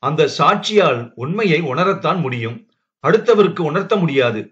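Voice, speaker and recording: A man voicing a calm, trusting husband who speaks in a steady, reassuring way. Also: on the high side, moderate pace. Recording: dull lo-fi recording.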